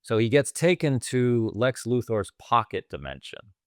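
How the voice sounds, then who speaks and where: A man's voice: mid-range voice, big pitch swings, unhurried, dry recording, studio quality. A man co-hosting a movie podcast, eagerly retelling film scenes at length in casual chat. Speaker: podcast co-host.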